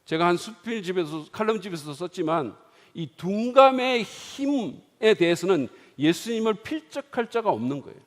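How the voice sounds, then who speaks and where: A middle-aged man preaching a sermon in a church, swinging dramatically from hushed, quiet lines to loud exclaiming. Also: high-pitched, lively intonation, moderate pace. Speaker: pastor. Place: church sanctuary. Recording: long hall reverb.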